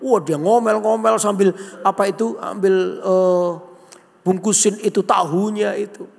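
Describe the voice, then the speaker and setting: A pastor preaching a sermon, telling a story with lively acted voices and asking the congregation questions. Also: male voice, high voice, moderate pace, vocal fry. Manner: animated storytelling, voices characters, asks congregation. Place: large church hall. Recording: long hall reverb.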